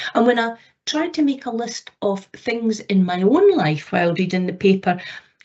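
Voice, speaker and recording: Lively intonation at a moderate pace from a somewhat breathy woman with a fairly high pitch. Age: 60s. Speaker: local councillor. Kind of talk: committee meeting remarks. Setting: council committee meeting.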